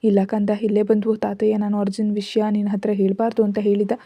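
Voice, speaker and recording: A woman's voice: mid-range voice, monotone, fast talker, slightly rough, dry recording, muffled recording. A woman voicing an innocent old grandmother in a storybook reading, chatty and playful.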